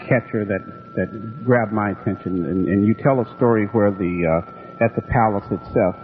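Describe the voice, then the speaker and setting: Man, radio host, stammering restarts, lowish voice, tinny phone-like sound. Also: normal speed. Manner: stammering restarts, frequent soft mm-hmms. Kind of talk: radio interview. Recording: tinny phone-like radio with long reverb and faint music.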